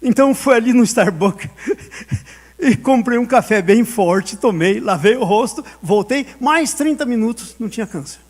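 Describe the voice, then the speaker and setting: A man's voice: very high voice, animated, moderate pace, a little mellow. A male pastor preaching a sermon, telling a personal story and acting out the dialogue with frequent laughter.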